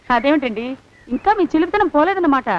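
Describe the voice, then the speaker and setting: A woman's voice: high-pitched, animated, fast. An actress playing an insistent woman who claims to be a man's wife from a past life, bossy and affectionate. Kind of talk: Telugu film comedy acting. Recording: slightly dull film soundtrack.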